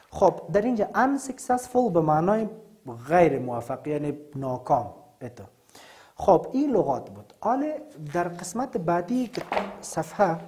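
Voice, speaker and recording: A woman with an Afghan accent teaching an English vocabulary lesson, saying the English words slowly and clearly, then explaining them more quickly in Dari. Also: fairly low pitch, darkish tone. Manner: switches between slow, drawn-out English and quick Dari explanation.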